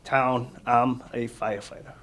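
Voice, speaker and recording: A man's voice: medium pitch, flat delivery, measured pace, fairly bright tone. A man reading a picture book aloud to children as a firefighter, with casual asides and simple explanations. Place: room with a small audience of children. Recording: noisy live room recording.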